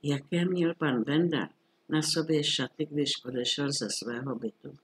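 A man's voice: fairly high pitch, husky. A man reading the lines of a worried, bespectacled doctor friend in a storybook reading, in an earnest, anxious manner.

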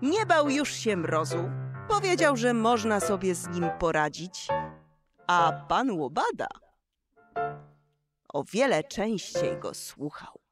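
A woman narrates an audio play for children. Her medium-pitched voice moves expressively and slowly over loud music. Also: big pitch swings. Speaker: storyteller narrator.

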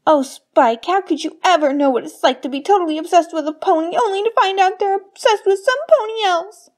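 A woman's voice: very high-pitched, brisk, a little mellow. A woman voicing a vain, ladylike cartoon unicorn pony who loves fashion, with refined, theatrical diction. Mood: dramatic. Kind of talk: fan voice reel of cartoon lines.

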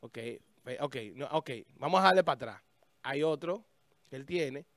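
A show host keeps up casual on-air chat in a small studio with a festive desk, his voice high in his range at normal speed into a stand mic. He looks things up on a website as he talks, thinking aloud with restarts. The audio is close and dry, with no echo.

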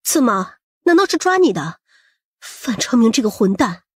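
High-pitched, fierce scolding mother played by a woman. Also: sing-song, moderate pace, slightly rough, no room sound, studio quality. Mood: alarmed. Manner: emphatic, sharp-tongued. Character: fierce, protective, scolding mother of grown son. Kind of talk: dramatic audiobook acting.

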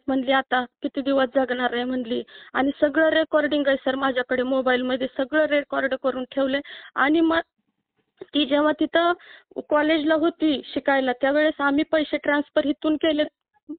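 A woman's voice: high-pitched, no room sound. A woman from Maharashtra calling over the phone to ask for help, pleading and upset, often ending her points with a questioning tag. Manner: pleading, tearful, keeps adding questioning tags. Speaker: caller asking for help. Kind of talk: phone call complaint. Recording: tinny dry phone line.

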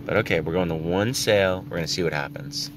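A man's voice: deep voice, quick pace. A man vlogging casually, joking and narrating as he browses sales outdoors and drives, filming on a phone. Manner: chatty, joking, self-narrating. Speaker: reseller vlogger. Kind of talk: casual chat. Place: outdoors at a flea market and in a car. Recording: noisy outdoor phone recording.

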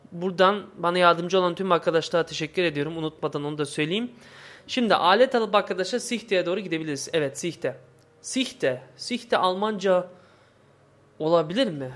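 A man giving casual let's play commentary in halting, imperfect Turkish with muddled word forms. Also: on the high side, fairly bright tone. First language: not Turkish, speaks imperfect Turkish. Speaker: gaming video host.

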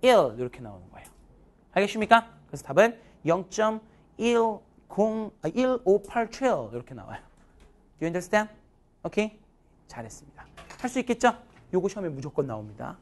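A man's voice: high voice, very animated, moderate pace. A man in his thirties teaching math to a live class, joking with students and mixing casual and polite speech.

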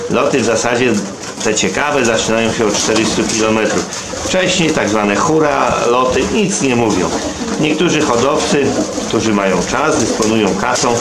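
A man's voice: medium pitch, very noisy. A middle-aged man from Poland, a pigeon breeder, explains his birds plainly in a loft and talks coaxingly to them. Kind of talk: casual video talk in a pigeon loft. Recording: echoey loft with loud pigeon cooing.

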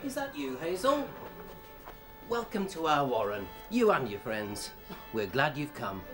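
A man's voice: on the high side, sing-song, a little slow, fairly bright tone, faint music behind. A British man acting a suave, languid, aloof rabbit in a radio play, speaking formally and without hurry. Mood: welcoming.

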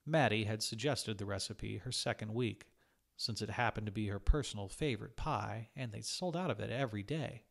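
Low-pitched man reading a story aloud. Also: normal speed, gravelly. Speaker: audiobook reader. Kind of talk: scripted short story narration.

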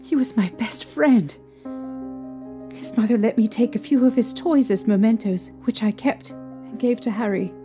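A young woman playing a distraught, haunted mother recounting her ordeal emotionally and haltingly in an audio drama. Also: a little high, warm tone, soft background music, natural voice. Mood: grave, sad.

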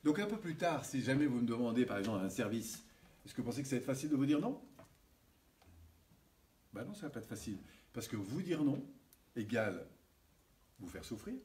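A man giving a seminar lecture, animated and checking in with his audience often. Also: medium pitch, brisk, pauses often. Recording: distant mic with faint hiss.

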